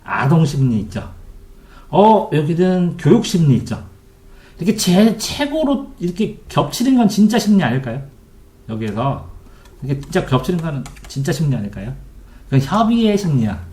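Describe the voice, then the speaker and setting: Lively middle-aged male tutor, echoey room. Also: fairly high pitch, normal speed. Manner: lively, quizzing students with repeated questions. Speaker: Korean literature tutor. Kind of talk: online lecture answering student questions. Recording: echoey room, keyboard typing behind.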